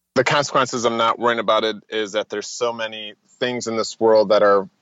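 A man with an ordinary speaking voice, fairly low in pitch, at a fairly quick pace. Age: 30s. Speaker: personal trainer. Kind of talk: casual interview.

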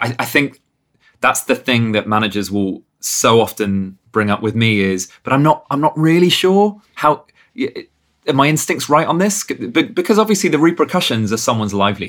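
A man speaks with a British accent at a fairly high pitch and a moderate pace, his pitch swinging very widely. The recording is very clean, with a silent background. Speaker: startup CEO and co-founder. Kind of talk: interview podcast. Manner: energetic.

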